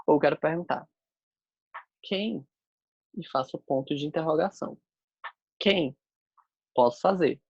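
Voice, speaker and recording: Gravelly man teaching a class. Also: a little high, quick pace, hardly any pauses, a little mellow, no echo, highs cut off. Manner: explains step by step while demonstrating signs. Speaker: sign language teacher. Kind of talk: online class explanation.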